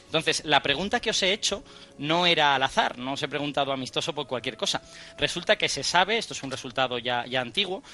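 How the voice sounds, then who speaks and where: A man's voice: on the high side, pushed and bright. A man on a radio show, explaining a study and quizzing the hosts. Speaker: science guest.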